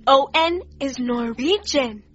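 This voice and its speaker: A woman's voice: sits high, slow pace, fairly bright tone, muffled recording. A woman playing a snarky teen girl witness. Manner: sarcastic, slangy, eye-rolling. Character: flippant underage female witness, sarcastic teen. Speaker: witness being questioned. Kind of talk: radio drama acting.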